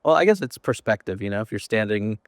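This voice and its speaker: A man's voice: on the low side, very animated, fast, no room sound, clean studio sound. A man hosting a casual podcast interview, asking questions and teasing his guest. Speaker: podcast host.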